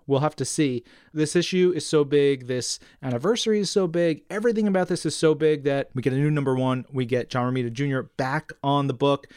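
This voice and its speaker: A man co-hosting a podcast, chatting informally and emphatically about comic-book news with excitable enthusiasm. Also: on the high side, clear, resonant tone, no echo, studio quality. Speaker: podcast co-host.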